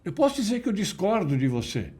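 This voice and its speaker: A middle-aged man speaks in a husky, mellow voice, slightly high for a man. He explains patiently and didactically, leaning on key words for emphasis. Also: big pitch swings, quick pace. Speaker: interview guest, NLP teacher. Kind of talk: conversational explanation.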